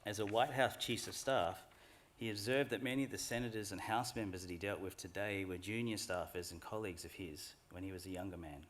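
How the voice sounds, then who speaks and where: A middle-aged man giving a formal graduation address from a lectern microphone in a large hall, in a measured and earnest way. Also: on the low side. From Australia. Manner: measured, earnest, reflective speech delivery. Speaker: graduation speaker.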